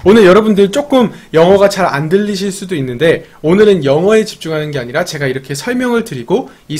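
A man teaching English in a casual live-streamed lesson, explaining a film scene, repeating lines and asking his audience questions. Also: on the high side. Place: home streaming setup.

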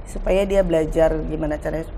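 A middle-aged woman chatting on a talk show, telling lively family stories and acting out dialogue. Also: deep voice, quick pace, a little hiss or hum. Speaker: guest actress. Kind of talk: casual talk show chat.

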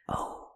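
A woman's voice: extremely low pitch, fairly bright tone, heavily acted. A woman doing a whispering lonely ghost. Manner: breathy whisper with giggles. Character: lonely excitable female ghost haunting empty halls. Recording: echoey reverberant space.

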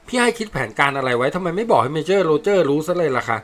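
A man's voice: a little high, big pitch swings, racing. A man reading a storybook, voicing a spirited young woman who nags and pouts. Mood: sulky nagging. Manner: pouty, nagging.

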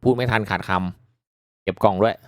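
A man giving casual, reactive commentary as he hosts a mobile game playthrough, chatting politely to viewers with excitable exclamations. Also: on the low side, moderate pace, no room sound, studio quality. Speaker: gaming video host.

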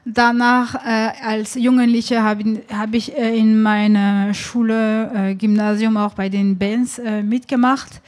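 A woman's voice: fairly high pitch, little pitch movement, unhurried, few pauses, darkish tone. A woman in her forties from France with a French accent, speaking German as a guest and hesitating with many fillers into a handheld mic. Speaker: singer-songwriter guest. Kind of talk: casual interview chat. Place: small club stage with brick wall. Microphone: handheld microphone.

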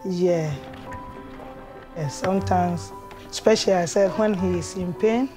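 A middle-aged mother interviewed in her living room, speaking in slow, simple phrases. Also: fairly low pitch, over music. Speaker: parent. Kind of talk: documentary interview.

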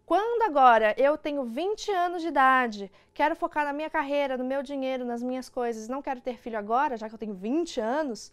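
A woman's voice: high-pitched, brisk, hardly any pauses, clear, resonant tone. A young Brazilian woman hosting an online news show, giving casual, opinionated commentary to camera. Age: young adult. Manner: informal, opinionated. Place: indoor studio.

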